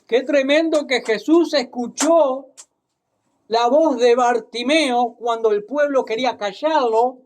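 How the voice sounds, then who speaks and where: A man preaches at an unhurried, measured pace. He keeps checking in with his congregation and lifts into dramatic emphasis when he reads from the Bible. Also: extremely high pitch, darkish tone, a little hiss or hum. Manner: deliberate, tag questions, dramatic Bible reading. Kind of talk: sermon.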